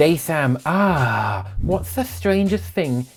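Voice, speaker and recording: Over music in the background, a man with a southern English accent speaks in very wide pitch swings. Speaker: YouTuber. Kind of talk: casual Q&A monologue. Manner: animated.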